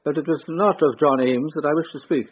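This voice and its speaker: A stiff, wounded country squire. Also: male voice, fairly high pitch, fairly quick, husky. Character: proud, aggrieved country squire uncle. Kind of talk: period radio drama acting. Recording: thin, tinny radio recording.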